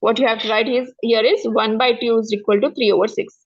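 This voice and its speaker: A slightly high female voice with fairly even intonation moves a little fast, and the recording has its highs cut off. She has a South Asian accent and is giving a one-to-one maths lesson step by step. Repetition is frequent, as are her questions checking that the pupil keeps up.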